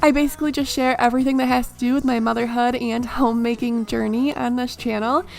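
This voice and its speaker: With noticeable background noise, a woman talks at a high pitch and a fairly quick pace. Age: 20s. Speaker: lifestyle vlogger, stay-at-home mom. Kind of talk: casual vlog voiceover. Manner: animated.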